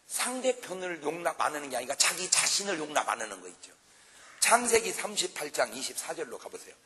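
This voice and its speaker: Male revival pastor, animated preacher with a sharp, forceful tone, recorded live in a reverberant church. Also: fairly high pitch. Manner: animated, jokes and acts out quarrels for the congregation. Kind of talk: revival sermon. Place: large church revival meeting.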